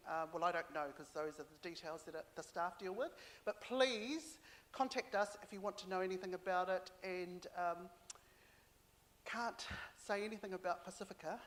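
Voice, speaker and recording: New woman speaking in a big hall. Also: lowish voice. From New Zealand and Samoa. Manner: halting, with many fillers, mixing in Māori. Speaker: archive board member. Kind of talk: speaking at a community consultation.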